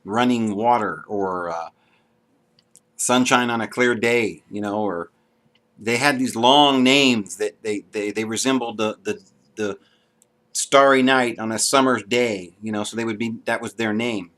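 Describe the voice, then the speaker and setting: A man's voice: fairly low pitch, unhurried, a bit bright. A man giving an unscripted, earnest monologue to camera, with frequent ums and restarts. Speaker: video blogger.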